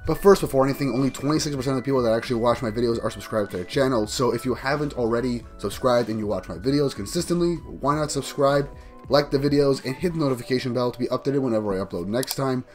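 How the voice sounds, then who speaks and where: A man's voice: medium pitch, fast talker, faint music behind. A man with a cold, sounding a little groggy, giving an enthusiastic, rambling casual review of a manga chapter. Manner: enthusiastic, rambling recap with restarts.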